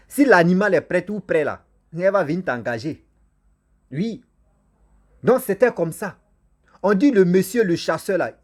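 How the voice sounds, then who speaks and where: A man, whose first language is a local African language, telling a village legend to his viewers in a lively, repetitive style with frequent asides to them. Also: a little high. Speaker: storyteller and channel host. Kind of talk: casual oral storytelling to viewers.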